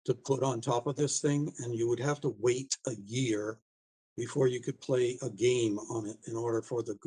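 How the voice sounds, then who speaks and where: A man of average pitch speaks up at a town meeting. His intonation stays flat, and he builds his argument haltingly, thinking aloud as he goes. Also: slightly rough. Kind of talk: formal public comment, unscripted argument.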